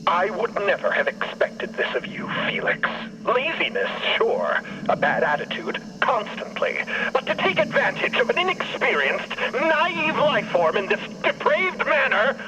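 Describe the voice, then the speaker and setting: An actor playing an indignant robot in an audio drama, pompous and cutting, through a robotic radio-like filter. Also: male voice, extremely high pitch, huge pitch swings, unhurried, background noise, full character voice. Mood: icy, scornful. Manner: pompous, cutting, precisely worded. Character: haughty, indignant male robot, vengeful and wounded.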